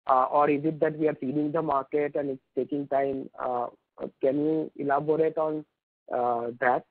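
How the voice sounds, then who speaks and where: A man's voice: a little high, flat delivery, normal speed, no room sound. A man with an Indian accent, an analyst putting questions to management on an earnings call, polite, wordy and hesitant. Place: conference call by phone. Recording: dry, narrow tinny phone line.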